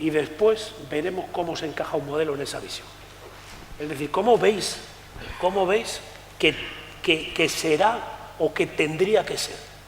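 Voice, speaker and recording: Over noticeable background noise, a man with a high pitch talks at a fairly slow pace, leaving long, frequent pauses. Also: ordinary pitch variation. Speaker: panel moderator. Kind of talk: panel discussion. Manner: hesitant, repeats words.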